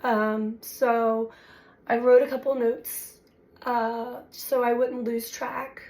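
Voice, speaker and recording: Slow, halting woman with a recovering voice. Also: fairly high pitch, little pitch movement, darkish tone. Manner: slow, halting, reflective, many fillers. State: recovering from voice loss. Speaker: spiritual astrology channel host. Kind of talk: unscripted spiritual talk to camera.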